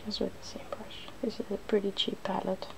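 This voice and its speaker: A woman hosting a soft-spoken ASMR makeup tutorial, often slipping into a whisper. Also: mid-range voice, little pitch movement, fairly quick, vocal fry. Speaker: ASMR video host. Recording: noticeable background noise.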